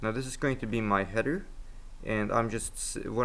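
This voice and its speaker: The voice is quiet, with a Swedish accent. The pace is moderate. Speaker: programming tutor. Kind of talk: screencast tutorial narration. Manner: hesitant, many fillers.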